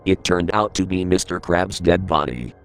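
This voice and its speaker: Deep-voiced man narrating a horror story. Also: moderate pace, a bit bright, faint music behind.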